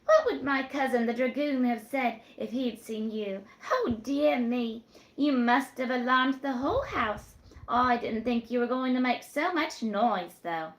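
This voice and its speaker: A woman doing a coy, sing-song young barmaid. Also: a little slow. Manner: demure, teasing, high and sing-song. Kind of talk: read-aloud storytelling. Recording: roomy echo.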